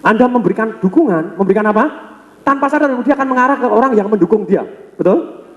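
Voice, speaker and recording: A man's voice: high-pitched, lively intonation, quick pace, muffled recording. A man with an Indonesian accent running a sales seminar, talking energetically and calling on the audience to respond. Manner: acts out customer dialogues. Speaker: sales trainer. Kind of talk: motivational seminar lecture. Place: large hall with a live audience. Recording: echoey hall reverb.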